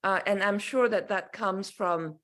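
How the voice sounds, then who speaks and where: A woman's voice: medium pitch, measured pace, fairly bright tone. A middle-aged woman from Vietnam, a native Vietnamese speaker, answering interview questions as a guest author over a video call, thoughtful and full of restarts. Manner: thoughtful, with many restarts and fillers.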